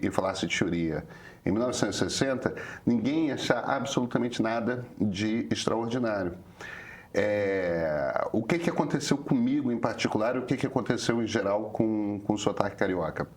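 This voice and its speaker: A man in his fifties with a Rio de Janeiro carioca accent, explaining things in a relaxed talk-show chat, hesitant with frequent filler restarts. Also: lowish voice, moderate pace. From Brazil, Rio de Janeiro. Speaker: journalist co-host. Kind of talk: casual conversational explanation.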